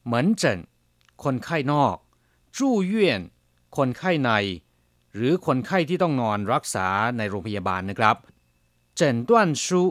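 Man slowly spelling out vocabulary. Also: medium pitch, fairly bright tone, no room sound, clean studio sound. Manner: slow, careful word-by-word pronunciation. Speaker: language teacher. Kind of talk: radio-style language lesson.

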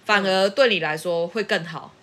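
A woman's voice: medium pitch, normal speed. A middle-aged woman chatting casually, reflective and earnest as she shares advice. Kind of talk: casual chat.

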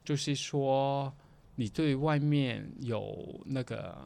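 Male interview guest, mid-pitched, conversational and halting, drops in English words. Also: gravelly, darkish tone. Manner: halting, repetitive, mixing English words into Mandarin.

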